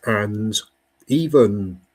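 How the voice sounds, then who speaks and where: A man's voice: fairly low pitch, drawn-out words, a little mellow. A man from Wales answering interview questions earnestly, often repeating words as he goes. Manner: earnest, stumbling repetitions. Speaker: campaigner guest. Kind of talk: political interview.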